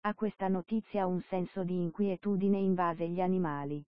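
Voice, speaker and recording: Woman reading a novel aloud, calm steady pace, dry dead room, kinda dull audio. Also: lowish voice, no room sound. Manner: measured, steady storytelling. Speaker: audiobook narrator. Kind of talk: scripted narration.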